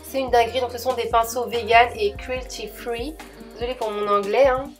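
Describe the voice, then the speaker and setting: A woman's voice: fairly high pitch, steady tone, normal speed, faint music behind. A young woman narrating her makeup tutorial as a chatty, enthusiastic voice-over. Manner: chatty, enthusiastic, addresses viewers as girls. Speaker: beauty vlogger.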